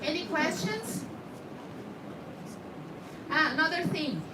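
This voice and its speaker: In an echoey training room thick with background noise and picked up from a distant mic, a Brazilian woman instructs on dental scanning. Her voice is high-pitched, slow and lively in intonation; Portuguese is her first language and her accent Brazilian. She demonstrates hands-on, frequently checking on the trainees.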